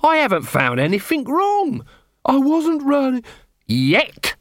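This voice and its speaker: A man's voice: sits high, sing-song, slow, no room sound, clean studio sound, pitched above the performer's own voice, full character voice. A man voicing a fat, surly armourer in a storybook, hesitant, grudging and defensive. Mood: flustered.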